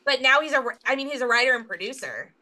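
A woman's voice: high-pitched, expressive, quick pace, sharp tone. A woman co-hosting a podcast, chatting casually and with enthusiasm about films. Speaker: podcast co-host. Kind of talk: casual chat.

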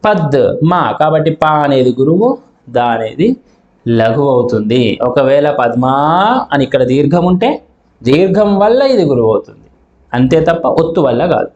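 A man teaching a grammar lesson, speaking slowly and sounding out syllables to show how they are pronounced. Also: a little high, a little mellow. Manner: slow, deliberate, sounds out syllables to demonstrate. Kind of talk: explanatory classroom lesson. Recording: echoey room, dull lo-fi sound.

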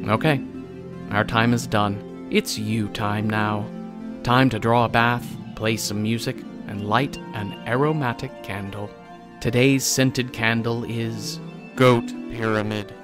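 A man's voice: medium pitch, steady tone, slow pace, music in the background. A man reading scripted podcast credits and sponsor notes in a dry, tongue-in-cheek manner. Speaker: podcast announcer.

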